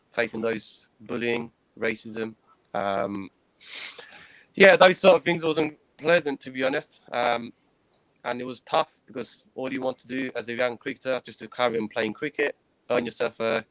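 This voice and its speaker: Earnest man in his thirties, interview guest, halting delivery, mid-pitched voice, dry close sound. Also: fairly bright tone, dry recording, rough recording. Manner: earnest, hesitant, frequent pauses and restarts. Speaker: guest, former professional cricketer. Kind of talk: recounting personal experiences in an interview.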